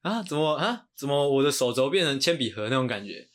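A man's voice: medium pitch, sing-song, a little fast. A man, co-hosting a podcast, joking crudely and swearing freely. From Taiwan. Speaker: podcast co-host. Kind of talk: casual chat.

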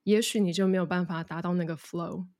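A woman's voice: fairly low pitch, fairly even intonation, brisk, darkish tone, faint music behind. A woman English coach speaking Mandarin with a slight English-influenced accent, explaining in an interview and dropping in English words. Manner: mixes English words into Mandarin, demonstrates phrases.

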